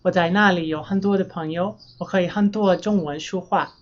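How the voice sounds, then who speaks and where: An American woman, a young adult whose first language is English, talks casually through a home vlog and names household words one by one in a plain, unhurried way. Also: on the low side, fairly even intonation, lo-fi sound. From United States. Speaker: language learning vlogger. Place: her room and house.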